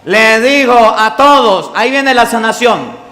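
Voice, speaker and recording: A man's voice: extremely high pitch, animated, measured pace, bright, forceful tone, soft background music. A man preaching a sermon as a priest, asking his congregation questions. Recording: echoey hall with long reverb.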